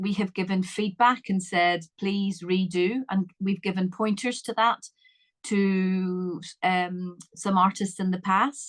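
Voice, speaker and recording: Speaking very slowly, a woman with an Irish accent sounds somewhat breathy at a medium pitch. Her intonation stays fairly even. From Ireland. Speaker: info session presenter for an arts network. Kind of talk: online info session Q&A.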